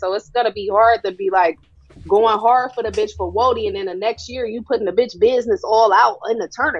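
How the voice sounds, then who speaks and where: In an animated tone, a woman speaks at a fairly high pitch with ordinary pitch variation. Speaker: podcast co-host. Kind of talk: heated argument, shouting. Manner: loud, combative, animated.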